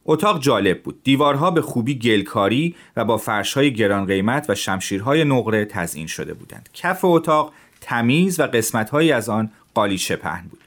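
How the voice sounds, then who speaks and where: Calm male storyteller, mid-pitched. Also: few pauses. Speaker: narrator. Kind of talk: storytelling narration for teens.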